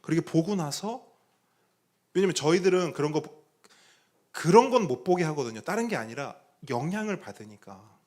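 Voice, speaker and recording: Animated middle-aged male pastor preaching. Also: fairly high pitch, moderate pace. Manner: animated storytelling, acting out quoted voices, asking the congregation questions. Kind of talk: sermon. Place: church sanctuary.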